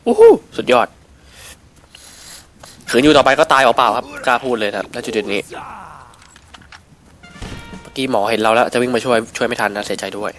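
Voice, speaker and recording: Excitable man commentating a game with a cold. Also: mid-range voice, fast, long pauses, soft background music. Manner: excitable, swears and shouts at the game. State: has a cold. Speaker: gaming channel host.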